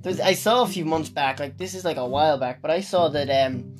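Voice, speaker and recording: A man's voice: a little high, fairly quick, music in the background. A young man from Ireland with an Irish accent, co-hosting a casual podcast and rambling with many restarts, recorded on a phone. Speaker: podcast co-host. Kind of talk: casual chat. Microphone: phone on the table.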